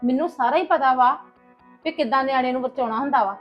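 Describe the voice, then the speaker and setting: A middle-aged woman playing a sharp-tongued village mother who rants loudly and fast. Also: high voice, muffled recording, faint music behind, natural voice. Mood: indignant. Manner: rapid scolding rant, loud. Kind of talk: family comedy-drama skit.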